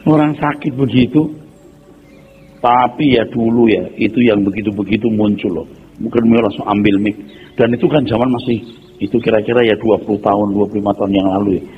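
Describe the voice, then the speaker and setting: A man pastor, preaching an informal sermon in a blunt, animated, mocking way with plenty of street slang. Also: on the low side, fairly quick. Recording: tinny phone-like sound, faint noise.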